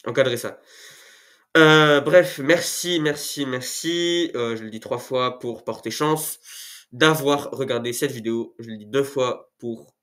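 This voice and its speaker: A man's voice: mid-range voice, unhurried, a bit bright. Male youtuber, chatty and goofy, self-mocking, a bit sniffly from a cold, talking to camera at home. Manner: rambling, joking, self-mocking asides. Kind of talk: casual talking-head video. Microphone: camera mic.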